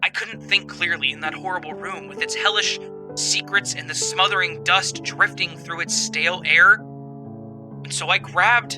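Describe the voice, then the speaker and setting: A man speaks at a fairly slow pace with hardly any pauses. Music plays in the background. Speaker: horror narrator. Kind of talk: horror story narration.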